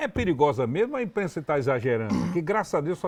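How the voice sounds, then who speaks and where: Using very wide pitch swings, a man speaks at a fairly quick pace. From Bahia sertão, Brazil. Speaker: politician, show host. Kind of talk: interview talk show.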